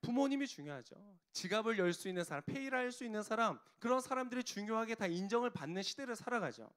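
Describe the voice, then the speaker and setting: A man's voice: high voice, expressive, fast, a bit bright, smooth. A male pastor preaching a sermon to a young congregation, often putting questions to them and answering them himself.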